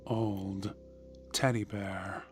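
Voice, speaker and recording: A man reading a scripted horror story in a measured, deliberate way, with dramatic pauses. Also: on the low side, fairly even intonation. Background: background music.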